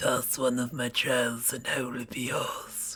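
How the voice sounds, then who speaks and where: A raspy, put-on character voice at low-to-middle pitch and a fairly slow pace. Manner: challenging, ominous.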